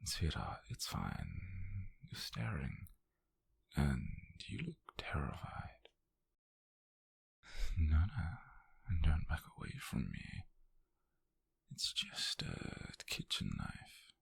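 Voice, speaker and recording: A man's voice: rumbling low, wildly swooping pitch, slow pace, vocal fry, pauses often, breathy edge, no room sound, heavily acted. A man with a British accent playing a doting, possessive, menacingly sweet boyfriend in a whispered, coaxing ASMR roleplay. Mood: soft, sinister. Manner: coaxing, teasing, theatrical.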